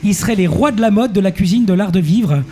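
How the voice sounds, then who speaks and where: A woman's voice: mid-range voice, quick pace, mellow, faint music behind. A woman interviewing a guest in a casual radio chat, talkative and encouraging, often chiming in with agreement. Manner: chatty, encouraging with frequent agreement.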